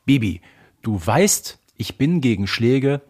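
Slightly husky man, colloquial podcast co-host. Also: medium pitch, sing-song, slow, a little mellow. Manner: colloquial, emphatic, uses punchy idioms. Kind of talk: casual conversational podcast discussion.

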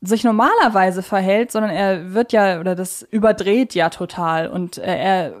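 A woman's voice: mid-range voice, normal speed. A woman co-hosting a podcast, discussing things casually and conversationally with emphatic wording. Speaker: podcast co-host.

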